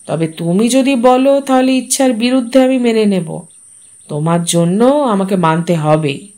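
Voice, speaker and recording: A woman voicing a principled, quietly defiant middle-aged eldest son in an audio story, deliberate and reasoning. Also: medium pitch, close to an everyday voice. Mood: earnest, reasoning. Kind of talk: audio story character reading.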